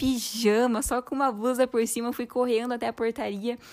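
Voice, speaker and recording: The recording is very clean with a silent background, and the delivery is monotone with flat intonation. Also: woman. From southern Brazil, Paraná (Mandirituba). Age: 20s. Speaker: medical resident. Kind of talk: casual chat.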